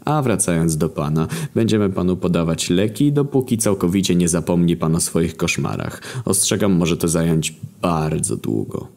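A man voicing a calm, politely menacing male doctor in a comic story reading. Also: sits low, moderate pace, few pauses. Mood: smug.

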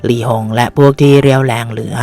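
A man's voice: medium pitch, fairly even intonation, fast talker, vocal fry, a little mellow, soft background music. Man narrating an adventure audiobook. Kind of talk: scripted narration.

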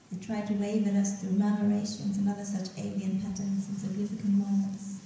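A young woman poet giving a reading at a lectern on a dark stage, chatty and giggly between her poems and measured as she reads them. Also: mid-range voice, gravelly, slight background noise. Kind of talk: poetry reading. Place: dark stage at a festival event. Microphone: stand mic at a lectern. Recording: roomy hall, mic from a distance.

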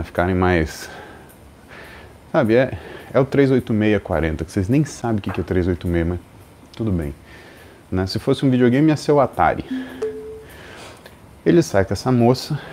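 Brazilian guy in his 40s telling a story on his live, mellow low voice, acts out the people in it. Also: slight background noise. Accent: Brazilian Portuguese. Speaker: host.

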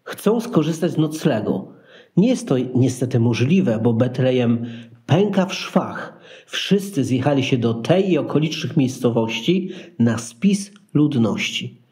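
A man's voice: mid-range voice, animated, a little slow, a little mellow. A man narrating a Christmas radio play in a scripted storytelling style.

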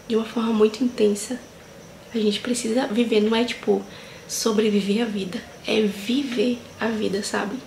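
In a small tiled room, a woman in her twenties vlogs to a close-range camera, her voice on the high side, a little mellow, with vocal fry. Earnest and heartfelt, she reflects casually, checks in with viewers and leans on fillers like "sabe" and "né." The room echoes, with faint noise.

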